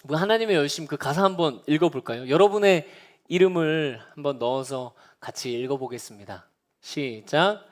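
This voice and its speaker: A man's voice: fairly high pitch, normal speed. A young man, a junior pastor, preaching a sermon at a midweek prayer service, telling stories earnestly and acting out the words of others. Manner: storytelling, quoting others with lively voices.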